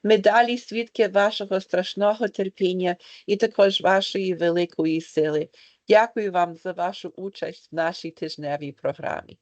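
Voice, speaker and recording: A woman's voice: on the low side, fairly even intonation, moderate pace, darkish tone, dry recording. A woman delivers a solemn, formal greeting over a video call. The sound is dull and dry. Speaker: guest greeter.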